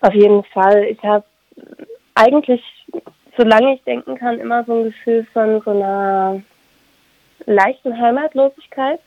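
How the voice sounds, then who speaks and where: A young woman, a Ukrainian native speaker from Germany, giving thoughtful interview answers as a singer and violinist, pausing to search for words. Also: on the high side, steady tone, no echo. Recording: dry, tinny phone-like line.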